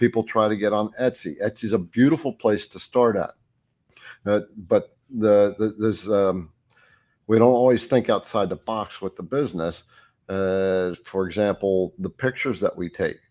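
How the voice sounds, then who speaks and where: With a normal speaking voice, a man talks at a moderate pace and fairly low pitch with ordinary pitch variation, in a very clean recording with a silent background. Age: 60s. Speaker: CNC woodworking YouTuber. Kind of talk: live stream Q&A. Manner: casual, with fillers and repetitions.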